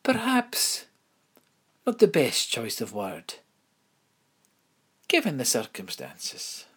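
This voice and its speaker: A man's voice: mid-range voice, huge pitch swings, takes it slowly, fairly bright tone, husky, exaggerated voice. A man voicing a prim, genteel headmistress who coaxes and fusses in a storybook reading. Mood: persuasive. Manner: genteel, coaxing, fussy. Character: prim genteel headmistress, woman, persuasive and sympathetic. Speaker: school headmistress.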